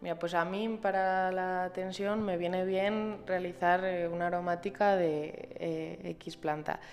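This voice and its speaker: A woman with a Spanish accent at a medium pitch, very slow in pace yet with hardly any pauses, fairly even in intonation, over music in the background. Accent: Spanish (Spain). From Navarra, northern Spain. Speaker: psychology intern. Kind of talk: podcast interview. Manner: halting.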